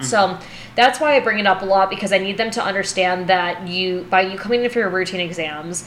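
A woman with a medium pitch talks over noticeable background noise. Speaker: optometrist, podcast guest. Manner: fast talker.

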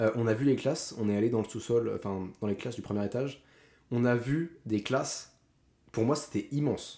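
At a moderate pace, a man speaks with medium pitch and a dark, mellow tone. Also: ordinary pitch variation. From Saint-Pierre-et-Miquelon. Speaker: university student. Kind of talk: casual interview chat.

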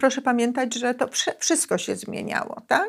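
Her pitch is high. The woman speaks at a moderate pace. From Poland, rural childhood, partly Cuba. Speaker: entrepreneur. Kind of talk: interview.

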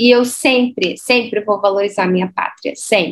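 A woman talks at a moderate pace with ordinary pitch variation. Her pitch is fairly high. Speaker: language school owner. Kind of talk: radio interview. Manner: animated.

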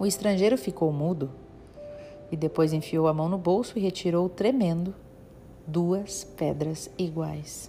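A woman with a Brazilian accent speaks at a fairly slow pace and fairly low pitch, with ordinary pitch variation and long, frequent pauses. Music plays in the background. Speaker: audiobook reader and book-club host. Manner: warm, informal and friendly when commenting.

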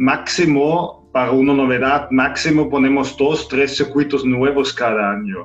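A man speaks with a fairly high pitch and ordinary pitch variation, at a fairly slow pace with hardly any pauses. Noticeable background noise can be heard. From Vienna, Austria. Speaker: travel company owner. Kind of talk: interview. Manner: halting.

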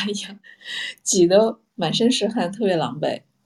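A woman talks at a moderate pace in a medium pitch. Her voice is somewhat breathy. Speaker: columnist. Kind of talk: casual chat. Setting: remote call across time zones.

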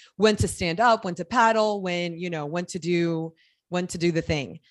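A woman speaks in an animated tone at a moderate pace, with ordinary pitch variation over a quiet background. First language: Spanish. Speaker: podcast co-host. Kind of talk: casual chat.

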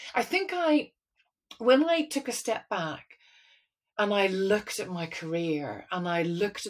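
In a Northern Irish accent, a woman speaks at a moderate pace with ordinary pitch variation. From Northern Ireland. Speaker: voiceover artist and former business owner. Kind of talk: casual chat. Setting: video call.

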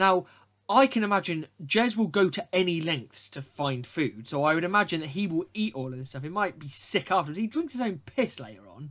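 A man talks at a fairly quick pace. His high voice swings very widely in pitch. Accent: British. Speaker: podcast co-host. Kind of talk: casual chat, sitcom review. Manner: casual, joking.

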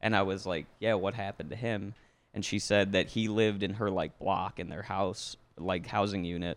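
At a moderate pace, a man with an American accent talks in a fairly low pitch with fairly even intonation. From Wisconsin. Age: 20s. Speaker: guest. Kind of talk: casual comedic chat.

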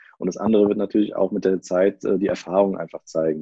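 A fairly low-pitched man talking at a very fast pace with fairly even intonation. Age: 20s. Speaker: finance content creator and employee. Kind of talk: interview.

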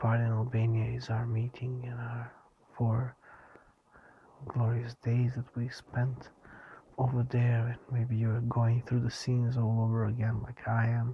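A man speaks slowly, fairly so, in a somewhat breathy, dark, mellow voice at a medium pitch. His intonation is monotone and flat, broken by long, frequent pauses. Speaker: personal audio diarist. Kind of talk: personal monologue addressed to a loved one. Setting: quiet countryside house at night. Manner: halting.

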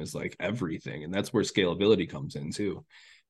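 Against a quiet background, a man with an American accent speaks at a very deep, low pitch. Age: 30s. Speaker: cannabis grower. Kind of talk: interview. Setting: live-streamed video call.

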